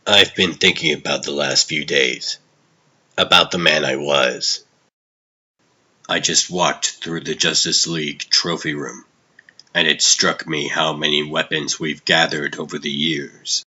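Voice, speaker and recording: A man voicing a corrupted, sinister vigilante villain who speaks slowly and menacingly in a comic dub. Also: rumbling low, steady tone, sharp tone, highs cut off, pitched below the performer's own voice, exaggerated voice. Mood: cold, brooding. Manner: slow, menacing, deliberate delivery. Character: corrupted dark Batman, sinister, calmly gloating male villain.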